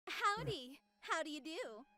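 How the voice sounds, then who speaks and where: A woman's voice: very high voice, big pitch swings, a little slow, sharp tone, faint music behind, full character voice. A woman playing a perky, boastful young female artificial intelligence with an anime girl avatar in a visual novel game, speaking in a chirpy, theatrical way. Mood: perky, playful. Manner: theatrical, chirpy, self-satisfied.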